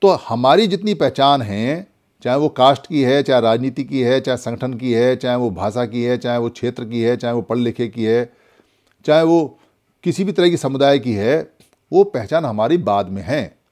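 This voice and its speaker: Man, Buddhist teacher, from India, preachy lesson, rhetorical questions, medium pitch. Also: moderate pace, a little mellow. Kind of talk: spoken lesson.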